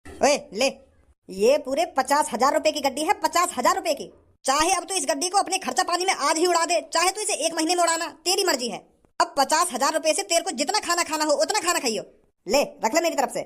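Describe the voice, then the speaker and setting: A man playing a swaggering rich young guy, very high voice, scolding and boastful. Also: fairly quick, a bit bright. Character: brash rich young male show-off.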